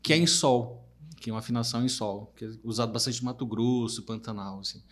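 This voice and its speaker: A man from Bahia, a musician, telling his story in a relaxed interview with many restarts. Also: mid-range voice, quick pace. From Bahia, Brazil. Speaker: musician guest. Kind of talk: casual interview chat.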